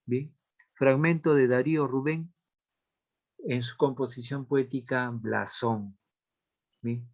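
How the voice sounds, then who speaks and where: A man teaching a literature class in a recorded lesson, explaining patiently, repeating key points and often checking in with a quick question. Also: medium pitch, steady tone, highs cut off. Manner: counts out verses aloud slowly.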